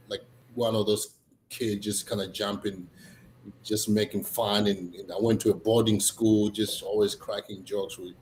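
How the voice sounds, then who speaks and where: A man from Tanzania, a comedian chatting casually as a guest, halting, with many fillers and restarts. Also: lowish voice, a little mellow. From Tanzania, East Africa. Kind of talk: casual interview chat. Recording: echoey room, faint noise.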